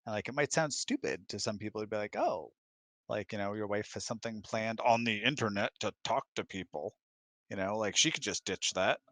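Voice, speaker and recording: Male co-host, somewhat deep voice, dry sound, talking through relationship advice in a relaxed conversational style. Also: brisk, no room sound. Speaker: husband co-hosting a live Q&A. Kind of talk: casual conversational advice chat. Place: close-miked online voice chat, dry.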